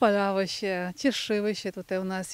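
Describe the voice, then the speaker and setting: The speaker is a woman with a medium pitch, talking at a moderate pace. The sound is dry and close with no echo, on a very clean recording with a silent background. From Ukraine, Kyiv region. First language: Ukrainian (speaking Polish). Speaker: holiday resort owner helping refugees. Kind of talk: news interview.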